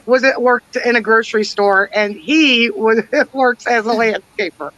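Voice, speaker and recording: A woman co-hosting casual political chat on a livestream, with a halting, dry delivery. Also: a little high, fairly bright tone. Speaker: livestream co-host. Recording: dull lo-fi call audio.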